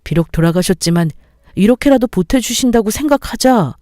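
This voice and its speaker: A woman's voice: medium pitch, expressive, fairly quick, mellow, no room sound, studio quality, close to an everyday voice. A woman voicing a selfish young husband who coaxes and justifies himself in a dramatized story reading. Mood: placating. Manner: coaxing, self-justifying.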